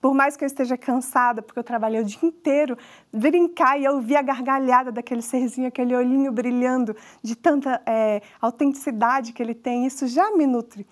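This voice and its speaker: A woman's voice: high voice, brisk. A woman and mother with a Brazilian accent, giving a conversational lecture to parents and talking straight to the audience. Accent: Brazilian Portuguese. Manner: conversational, addresses audience directly. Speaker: parenting talk speaker.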